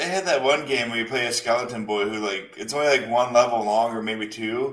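A man with a normal speaking voice talks at a moderate pace in a medium pitch, his intonation fairly even. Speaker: podcast host. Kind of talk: casual chat, comedic banter.

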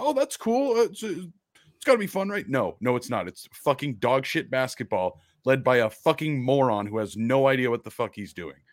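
Lively intonation and a fairly quick pace come through on a very clean recording with a silent background. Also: man. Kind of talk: heated sports debate. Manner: loud, angry, ranting.

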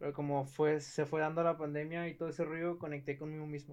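A fairly high male voice, a normal speaking voice, at a moderate pace. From Ciudad Juárez, Mexico. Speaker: musician. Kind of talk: casual chat.

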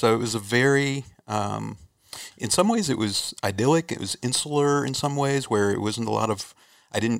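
The recording is very clean, with a silent background. A man with an American accent uses a plain, everyday voice at a fairly quick pace, with ordinary pitch variation. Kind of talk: testimony.

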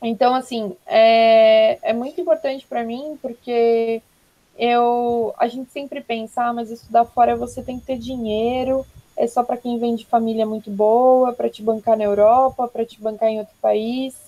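A woman talks at a fairly slow pace with a dark, mellow tone and fairly high pitch. Her intonation stays fairly even while her loudness swings widely. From Brazil, São Paulo. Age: 20s. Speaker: journalist and master's student. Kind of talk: interview.

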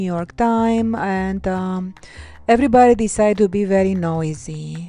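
A woman with a dark, mellow tone, medium pitch, ordinary pitch variation and a fairly slow pace. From Greece. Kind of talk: casual monologue. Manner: spontaneous, unscripted.

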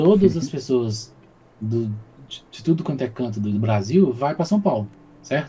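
A somewhat breathy man's voice of medium pitch and dark, mellow tone, with very wide pitch swings, big swings in loudness, a moderate pace and long, frequent pauses. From Brazil. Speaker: software engineer. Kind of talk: casual interview.

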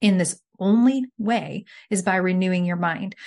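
Against a quiet background, a woman talks at a medium pitch with ordinary pitch variation and a somewhat breathy quality. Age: 40s. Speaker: wellness and weight loss coach. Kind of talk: interview.

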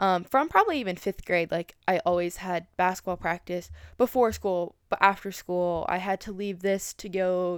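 A woman's medium-pitched voice in a very clean recording with a silent background, dry and close with no echo. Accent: American. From Colorado, US. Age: 19. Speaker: podcast host and college basketball player. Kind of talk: casual solo monologue. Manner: filler-heavy, frequent ums.

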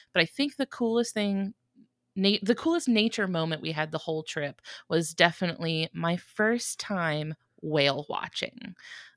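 A woman with an American accent speaks at a moderate pace in an ordinary speaking voice, medium in pitch, with lively intonation, recorded very cleanly against a silent background with a dry, close sound and no echo. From Florida. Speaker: animal podcast host. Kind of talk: casual chat.

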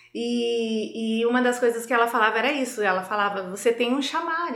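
Amid audible room echo, a woman with a high pitch speaks at a moderate pace. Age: 40s. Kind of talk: testimony.

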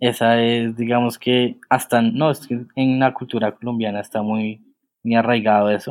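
A man talks at a moderate pace at medium pitch. His intonation is monotone and flat. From Colombia. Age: 20s. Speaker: digital entrepreneur. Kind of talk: interview. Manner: halting, with frequent repetitions.

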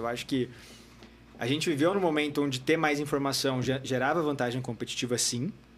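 Fairly high in pitch, a man talks with ordinary pitch variation at a fairly quick pace. He has a plain, everyday voice. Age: young. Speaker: company co-founder. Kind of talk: interview.

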